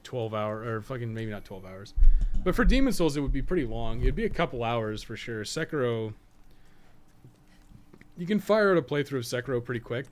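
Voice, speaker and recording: Male game streamer, mid-range voice; casual, rambling, foul-mouthed and jokey guide talk. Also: medium pitch. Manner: rambling, thinking aloud; profane, slangy, joking. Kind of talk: casual live-stream gaming commentary.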